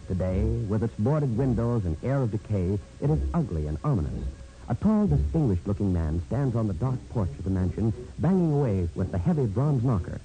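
A man announcing and narrating in 1940s radio style, emphatic, measured and dramatic, from scripted copy. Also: on the low side, very animated, rough recording. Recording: old radio broadcast, loud music. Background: loud music.

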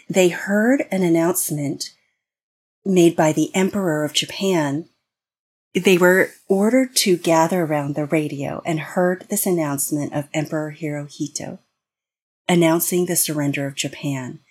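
A woman's voice: low voice, darkish tone, breathy edge. An American woman speaking as a guest on an interview podcast, explaining in an earnest way with frequent restarts. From United States. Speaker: guest expert.

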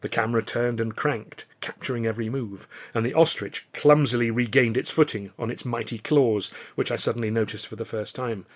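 A man's voice: medium pitch, fairly quick, hardly any pauses. A man reading scripted first-person audiobook narration of a novel. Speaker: author reading own novel.

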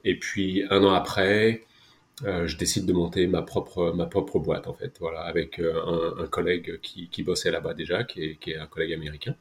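A man's voice: sits low, little pitch movement, moderate pace. A middle-aged man from France with a French accent, talking casually as an interview guest, hesitant and repeating words as he goes. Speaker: interview guest, tech company co-founder.

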